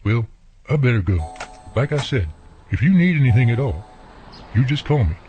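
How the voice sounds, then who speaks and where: A man's voice: mid-range voice, very animated, normal speed, a little mellow, slight background noise, lightly acted. An actor playing a friendly, plainspoken country handyman neighbor with an American country accent, talking folksily in a radio drama. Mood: chatty, amazed. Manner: folksy, colloquial, drawling turns of phrase. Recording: muffled, lo-fi audio.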